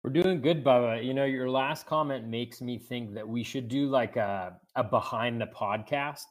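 A man's voice: medium pitch, moderate pace. A man with a cold hosts a casual podcast, his voice cracky and sniffly. He talks with eager energy, leaning on fillers as he chats. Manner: enthusiastic, chatty with fillers. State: sick with a cold, sniffling and coughing. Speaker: podcast host.

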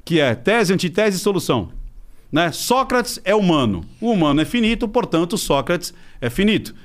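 Animated Brazilian man with lively pitch. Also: normal speed. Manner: animated, acts out quoted voices; swears freely. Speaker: interview guest. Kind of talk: casual storytelling chat.

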